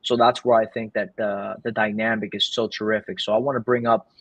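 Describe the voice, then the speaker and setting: A man's voice: fairly low pitch, level tone, a little fast, no room sound. A man hosting an online audio chat who keeps dropping "right?" into his sentences as he explains his points. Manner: leans on "right?" as a tag. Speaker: host of an online audio space. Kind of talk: casual pitch-style chat.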